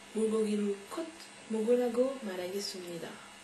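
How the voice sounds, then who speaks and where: Spoken in a French accent with ordinary pitch variation, the clip carries audible room echo and light background noise. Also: woman. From France. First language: French (speaking Korean). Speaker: Korean language student. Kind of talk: speech contest presentation. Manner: halting. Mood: cheerful, light humor. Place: office. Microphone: camera far.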